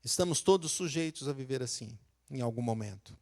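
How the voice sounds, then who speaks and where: A man's voice: medium pitch, lively intonation, fairly quick, a little mellow. A Brazilian man from Minas Gerais preaching a sermon as pastor, talking conversationally, asking the congregation questions and acting out quotes. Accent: Brazilian Portuguese, Minas Gerais.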